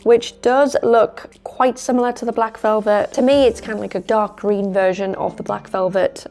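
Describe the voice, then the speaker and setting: Losing her voice, a woman talks casually to camera from indoors at home, rambling and correcting herself as she chats about her plants. She's a plant vlogger, and her voice sits at medium pitch with a slightly mellow quality.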